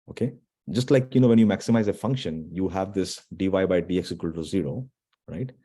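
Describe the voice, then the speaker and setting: A low-pitched man speaks to an online audience in a mellow, relaxed voice. He is earnest and restarts his phrases now and then. He often stops to check that his listeners are following. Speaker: guest speaker. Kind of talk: online motivational talk to students.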